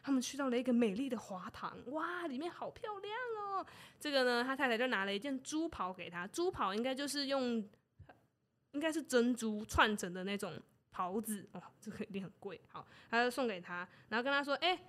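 A podcast co-host with a fairly high voice speaks a little fast as she retells an old story on a casual show. She's lively, laughing as she playfully acts out characters' lines.

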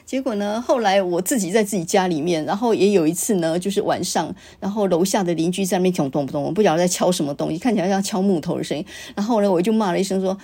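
Husky Taiwanese-accented woman telling stories. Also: mid-range voice. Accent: Taiwanese Mandarin. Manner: storytelling, quoting her father's sharp remarks. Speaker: podcast host. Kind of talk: reflective monologue.

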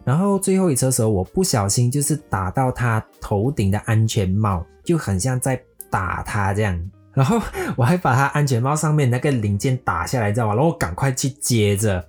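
A man telling a scripted personal story in a lively way, dropping English words into his sentences. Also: medium pitch, a little fast, hardly any pauses, slightly rough. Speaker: storyteller recounting a motorbike trip. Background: faint guitar music.

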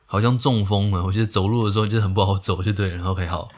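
A young man hosting a casual storytelling podcast, animated and acting out bits of dialogue, dropping in English phrases. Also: fast talker. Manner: animated, acts out dialogue with pitch jumps, mixes in English phrases. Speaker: podcast host. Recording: slightly poor audio quality.

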